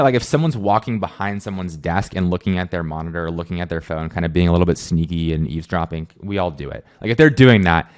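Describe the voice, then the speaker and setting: A man with a lowish voice hosts an explainer. He talks informally and conversationally, addressing the viewer directly in a casual way. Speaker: host, content agency owner.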